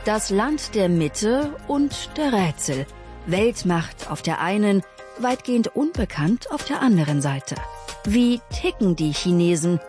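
A woman reading a scripted podcast promo, slow and dramatic. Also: mid-range voice, very animated, darkish tone, soft background music. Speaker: promo announcer.

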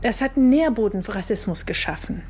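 A woman from Afghanistan, a lawyer, speaking softly and reflectively in a personal interview. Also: medium pitch, expressive, fast, husky. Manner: soft, reflective, quietly emotional. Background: faint music.

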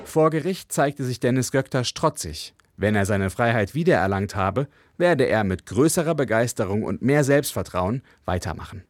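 A male correspondent reads a news report in a steady, measured way. His voice sits at a mid pitch and is recorded close and dry, with no room around it. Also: no echo. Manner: measured, even news delivery.

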